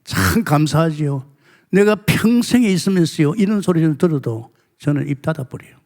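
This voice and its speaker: An older man preaching a Sunday sermon as pastor, asking the congregation rhetorical questions and swinging between soft murmurs and emphatic exclamations. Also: a little high, lively intonation, normal speed.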